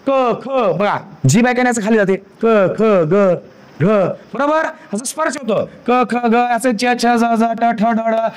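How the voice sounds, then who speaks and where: A man's voice: very high voice, unhurried. A man with a Marathi accent teaching a grammar lesson, asking the class questions and answering them himself, and spelling out sounds one at a time.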